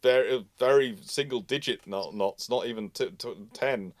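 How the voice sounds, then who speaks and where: A man's voice: mid-range voice, normal speed, no echo, clean studio sound. A man hosting a casual panel discussion and answering questions, often repeating and restarting his phrases. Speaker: host of a naval history live Q&A.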